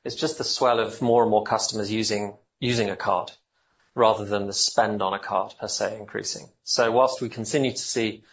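Male executive on an earnings call, lower register, halting explanatory delivery, slightly dull audio. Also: a bit bright. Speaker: company executive answering analyst questions.

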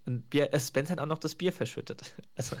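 A man's voice: fairly high pitch, moderate pace. A man hosting a podcast, casually retelling sitcom scenes, often laughing and lightly acting out the quotes. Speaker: podcast host.

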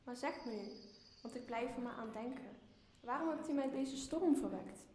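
A woman's voice: a little high, animated, normal speed, lightly acted. A young woman playing an obedient, inquisitive air spirit in a Dutch radio play, deferential to a master. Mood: willing, curious. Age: young adult. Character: obedient airy spirit servant, willing and inquisitive. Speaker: drama student actor. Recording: echoey room with faint noise.

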